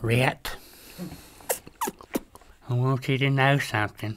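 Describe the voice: Putting on a character voice, a man speaks fairly slowly at a medium pitch in a monotone, flat way.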